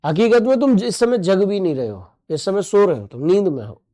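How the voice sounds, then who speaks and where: A man teaching an online exam-prep lesson, playful and joking with students' comments, drilling terms by repeating them and asking quick questions. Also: high-pitched, expressive, mellow.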